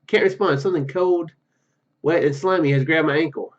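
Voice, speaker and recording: A man's voice: fairly high pitch, a little fast, dull audio. A man reading a visual novel aloud and commenting casually, often stumbling over his words. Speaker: gaming YouTuber.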